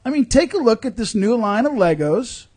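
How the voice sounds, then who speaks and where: A man's voice: extremely high pitch, sing-song, normal speed, a little mellow, slightly rough. A man co-hosting talk radio in a casual, conversational way, circling into his points. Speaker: radio co-host.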